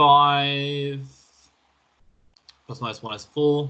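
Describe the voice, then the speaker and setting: A man's medium-pitched voice with an English accent. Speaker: maths teacher. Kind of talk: recorded online lesson. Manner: hesitant, many ums and uhs.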